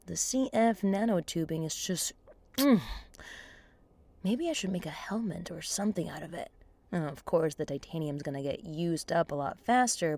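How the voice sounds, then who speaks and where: An actress playing a scrappy, sweary woman engineer in an audio drama, muttering to herself in an animated, exasperated way. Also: lowish voice.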